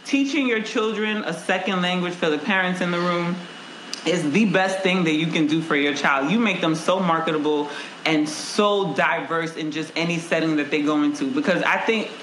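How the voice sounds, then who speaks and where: A woman's voice: fairly low pitch, moderate pace, a bit bright. A woman from Honduras co-hosting a casual chat, frank and laughing as she tells stories and reads comments. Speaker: co-host reading viewer comments. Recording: roomy echo, faint noise.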